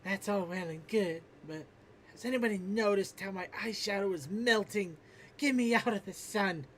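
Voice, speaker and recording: A man doing a comedic script read on a podcast, halting and stumbling over lines. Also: high-pitched, fairly bright tone. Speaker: podcast cast member. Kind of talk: comedic character read with casual asides.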